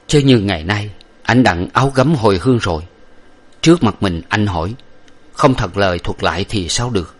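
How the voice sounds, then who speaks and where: A man's voice: fairly low pitch, expressive. A man voicing a composed male friend who speaks politely and formally. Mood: measured. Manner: formal, measured.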